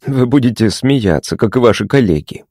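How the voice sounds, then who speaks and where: A man's voice: mid-range voice, expressive, mellow, no room sound, studio quality. Man voicing a touchy young male patient. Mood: matter-of-fact. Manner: matter-of-fact, quickly offended.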